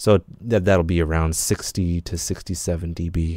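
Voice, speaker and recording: Soft-spoken, with a dark, mellow tone, a man talks at a very deep, low pitch with fairly even intonation on a very clean recording with a silent background. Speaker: music production youtuber. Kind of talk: tutorial. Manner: casual, hesitant with fillers.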